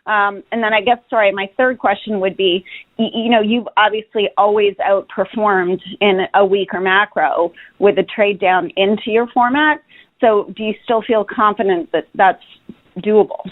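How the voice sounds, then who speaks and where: Woman, financial analyst, medium pitch, hesitant questioning, earnings call, dry phone-like audio. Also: steady tone, normal speed, no echo. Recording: dry, tinny telephone line.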